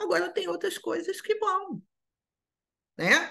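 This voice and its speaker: The speaker talks at a fairly slow pace with very wide pitch swings. The tone is bright and sharp. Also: woman. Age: 60s. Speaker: spiritist lecturer. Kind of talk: public talk. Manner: casual, conversational.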